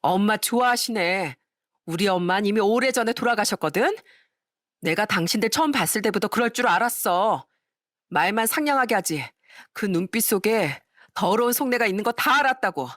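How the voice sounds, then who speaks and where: A woman's voice: medium pitch, expressive, normal speed, fairly bright tone, no echo, clean studio sound, pitched above the performer's own voice. A woman voicing a fierce grown sister-in-law who scolds her father and drives off the scheming stepmother. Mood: scornful. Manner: scolding, scornful.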